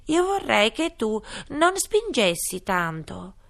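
A woman doing a high, peevish little dormouse. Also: very animated, slow, creaky, fairly bright tone, full character voice.

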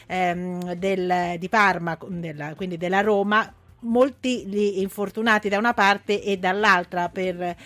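A woman's voice: medium pitch, steady tone, a little slow, few pauses, fairly bright tone. A woman co-hosting sports radio and putting questions in a conversational way. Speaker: radio co-host.

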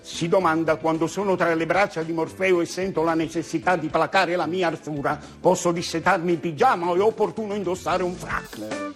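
Pompous, highish-voiced formal man played by an actor. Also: brisk, a bit bright, faint music behind, close to an everyday voice. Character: pompous translator of slang into florid formal language.

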